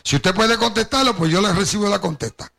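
Older man, Puerto Rican accent with Cuban influence, preacher, high voice, heavy creak, storytelling testimony, direct address to listeners. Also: a little fast, pushed and bright. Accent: Caribbean Spanish, Puerto Rican with Cuban influence. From Puerto Rico. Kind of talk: sermon with personal testimony.

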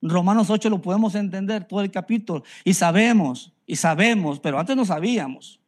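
Earnest high-voiced man preaching. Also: a little fast. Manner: earnest, repeats phrases for emphasis. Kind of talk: personal testimony sermon.

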